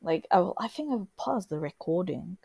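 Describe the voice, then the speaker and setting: A woman's voice: lowish voice, animated, brisk, creaky, mellow, husky. A woman in a casual chat as a podcast co-host, speaking in a hesitant, self-effacing way.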